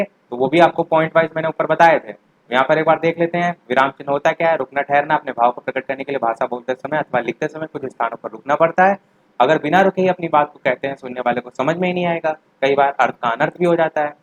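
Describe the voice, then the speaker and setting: A man's voice: fairly high pitch, rough recording. A young man teaching a revision lesson for a teaching exam, explaining each answer plainly, talking straight to the students and repeating the key points.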